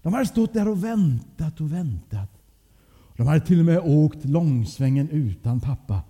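Husky male storyteller in a reverberant hall. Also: on the high side. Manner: lively, animated.

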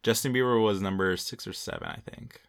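A young man co-hosting a casual podcast, reading off facts in a relaxed, joking way, with a slight Mexican accent. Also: on the low side, fairly quick, clear, resonant tone. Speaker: podcast co-host. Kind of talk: casual chat.

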